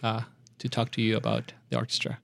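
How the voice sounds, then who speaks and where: A man's voice: medium pitch, gravelly, fairly bright tone, dry recording. Colombian-born man, middle-aged, reflective interview guest, dry close mic. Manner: thoughtful, halting with many fillers. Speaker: guest, orchestra director. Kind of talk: radio interview.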